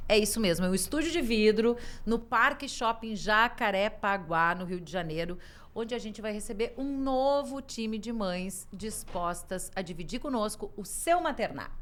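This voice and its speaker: A woman's voice: medium pitch, lively intonation, moderate pace, fairly bright tone. Woman, gaúcho accent, podcast co-host, chatty, playful, tag questions, glass studio with audience. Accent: southern Brazilian gaúcho. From Rio Grande do Sul, southern Brazil. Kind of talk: upbeat podcast hosting.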